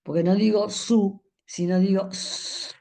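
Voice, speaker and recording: An older woman gives a lecture to teachers. She explains step by step, often pausing on fillers, and draws out single speech sounds to demonstrate them. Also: mid-range voice, creaky, dark tone. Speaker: reading education specialist speaking to teachers.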